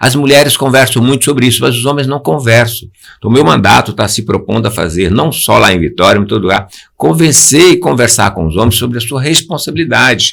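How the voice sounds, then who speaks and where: Vocal fry runs through speech delivered at a fairly quick pace with lively intonation. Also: man, medium pitch for a man. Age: 70s. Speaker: state politician. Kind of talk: interview.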